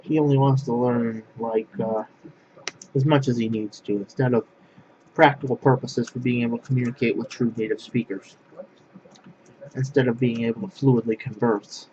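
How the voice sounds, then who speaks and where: A man from northwest Pennsylvania, talking to camera in a halting, rambling monologue that keeps restarting its phrases. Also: medium pitch, fairly even intonation, mellow. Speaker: language vlogger. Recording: dull lo-fi sound with clear background noise.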